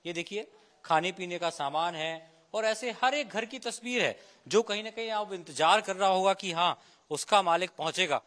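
A man field reporter with a high, bright voice, speaking outdoors into a handheld mic. He walks viewers through the scene and leans into its emotion as he talks. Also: normal speed, no echo. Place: outdoors at a disaster site.

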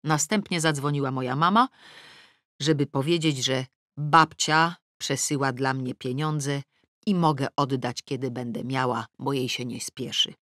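A middle-aged woman reading a novel aloud in the first person, with wry, lively comic timing. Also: a bass voice, unhurried, no room sound, studio quality. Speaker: audiobook narrator. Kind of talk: first-person audiobook narration. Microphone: close studio mic.

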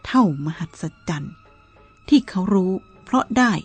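A woman reading a Buddhist novel aloud in a calm, measured storytelling manner, with soft music behind her. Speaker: narrator.

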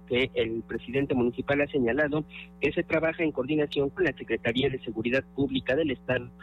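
A man with a Mexican accent delivering a news report. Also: medium pitch. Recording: dull, band-limited broadcast audio.

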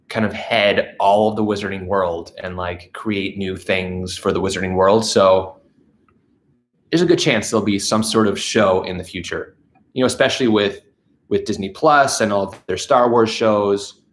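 A man in his thirties with a fairly low, slightly bright voice, stuffy from allergies, hosts a livestream from his living room. Sitting by a couch indoors with the camera close, he chats casually and cheerfully and reads out messages from viewers.

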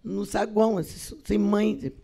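A woman's voice: mid-range voice, measured pace, vocal fry. A middle-aged Brazilian woman, an actress and poet, telling stories to theater students and acting out the voices in each exchange. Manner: acts out dialogue with shifting voices, expressive and theatrical. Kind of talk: lively storytelling talk.

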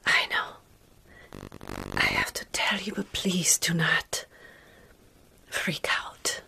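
A woman in her thirties whispering slowly and soothingly in an ASMR roleplay, playing a caring, centuries-old vampire close to the microphone. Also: low voice, wildly swooping pitch, creaky. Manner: soothing, hushing, slow and deliberate.

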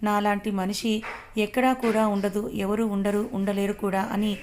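Heartbroken young woman, tearful, flat and quick delivery, read by a woman narrator. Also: medium pitch, slight background noise, natural voice. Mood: grieving. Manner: tearful, self-blaming.

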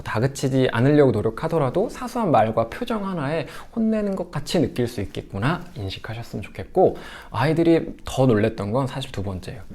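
A man giving a lecture to parents as a sex education instructor, talking in an animated way and often acting out quoted lines. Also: mid-range voice.

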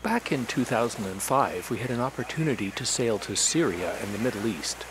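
Male narrator for a sailing series. Animated intonation, mid-range pitch, noticeable ambient noise. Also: brisk. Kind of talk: scripted documentary narration.

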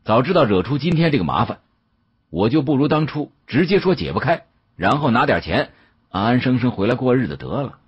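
A man voicing a shrewd older male professor in an audiobook, speaking in a measured, avuncular way. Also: medium pitch, big pitch swings, slightly rough, lo-fi sound, pitched above the performer's own voice. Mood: rueful.

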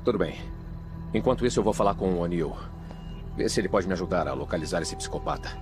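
A man with a Brazilian accent playing a gruff, bitter detective father in a dramatic video game. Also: low voice, expressive, fast talker, music in the background. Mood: resolute. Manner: gruff, cynical, sarcastic. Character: weary, bitter detective father hunting for his kidnapped daughter.

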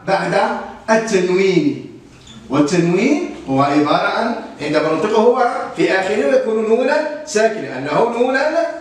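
High-voiced man teaching in an echoey room. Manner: patient, repeats words slowly for pupils. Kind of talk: Quran recitation lesson. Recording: echoey room, distant mic, faint hiss.

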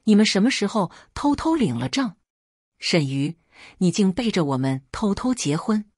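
A woman's voice: sing-song, moderate pace, a little mellow, slightly rough, dry recording, clean studio sound. A woman reading the lines of a domineering older mother-in-law who wails and accuses. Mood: accusing. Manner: shrill, accusing.

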